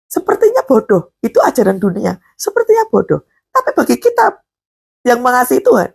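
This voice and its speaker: Woman preacher, husky voice, fairly high pitch, lively sermon delivery. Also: a little fast. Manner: animated, questioning the congregation, swings high and emphatic. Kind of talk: live devotional sermon.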